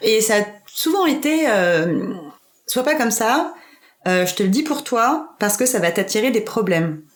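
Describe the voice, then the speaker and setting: A woman speaks at a fairly slow pace. Audible echo fills the room. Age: 20s. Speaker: podcast guest sharing personal story. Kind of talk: intimate interview. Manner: hesitant, many filler words.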